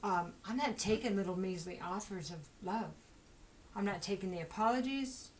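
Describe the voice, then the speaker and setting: A woman giving a casual tarot reading, talking fast and rambling with plenty of fillers. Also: mid-range voice, a little hiss or hum, poor audio. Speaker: tarot reader.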